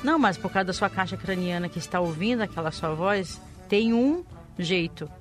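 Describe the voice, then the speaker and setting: A woman's voice: fairly low pitch, expressive, moderate pace. A woman with a Brazilian accent co-hosting a radio show, chatting and explaining things in a casual way. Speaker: radio co-host. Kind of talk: casual radio chat with health tips. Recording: music under the voice. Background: background music.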